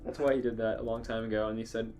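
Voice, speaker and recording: A man's voice: fairly low pitch, little pitch movement, very fast, darkish tone. A man co-hosting a podcast in casual comedic chat. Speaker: podcast co-host. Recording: faint music behind the voice. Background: faint music.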